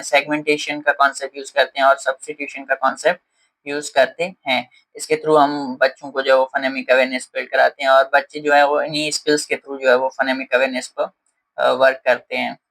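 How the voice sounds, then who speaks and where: A man with an Indian accent teaches a lesson, walking through each idea step by step. His voice is bright and forward and sits a little high, and he often pauses on fillers as he goes. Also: poor audio. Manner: explains step by step, with many fillers and Hindi mixed with English terms. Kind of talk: explaining lesson to camera.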